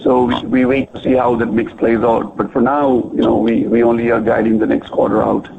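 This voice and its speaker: Confident male executive on a conference call, mid pitch, clearly noisy telephone audio. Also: monotone, fairly quick. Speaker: company executive on earnings call. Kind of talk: answering analyst questions on a conference call. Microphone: telephone conference line. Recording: noisy, band-limited phone line.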